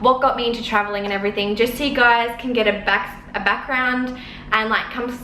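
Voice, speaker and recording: Casting note: a woman in her twenties, a rambling vlogger with a bright voice on the high side, recorded in an echoey room. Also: fairly even intonation, fairly quick. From Australia. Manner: rambling and chatty, with many fillers and apologies. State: sore eyes from smoke. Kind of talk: casual storytelling to camera. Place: lounge room at home. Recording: echoey room, faint background noise.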